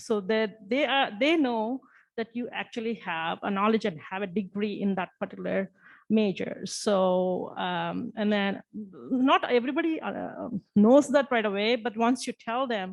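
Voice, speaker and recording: Fairly slow, fairly high-pitched speech from a woman, her pitch varying in an ordinary way. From outside the US. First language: not English. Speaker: university science instructor. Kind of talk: panel discussion. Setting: conference panel with audience. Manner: halting.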